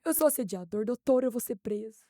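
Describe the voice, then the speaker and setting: A man's voice: very high voice, a little mellow, no room sound, clean studio sound. A woman voicing a worried older man with a Brazilian accent, an office caretaker pleading anxiously with a consultant. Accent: Brazilian Portuguese.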